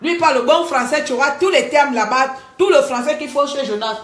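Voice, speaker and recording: A high-pitched woman rants on a live stream, switching between scolding and joking. Her voice rings in an echoey room. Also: brisk. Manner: animated, scolding and joking by turns. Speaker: livestreamer.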